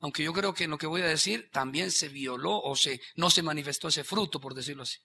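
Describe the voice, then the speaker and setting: A man pastor, preaching a sermon with animated bursts of shouting and quiet asides. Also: fairly high pitch, a little fast, creaky, slight background noise.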